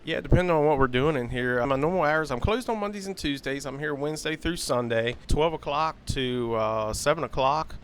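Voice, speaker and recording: A man's voice: fairly high pitch, brisk, few pauses, a little hiss or hum. A man who runs a hobby shop, talking in an easygoing way with fillers in a casual chat.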